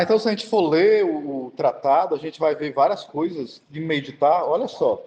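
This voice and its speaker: A man from Northeast Brazil with a Cearense accent, preaching an informal teaching sermon and often asking the listeners whether they understand. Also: on the high side. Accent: Cearense Portuguese. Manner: chatty, keeps asking the audience if they understand. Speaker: Catholic preacher. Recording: long hall reverb.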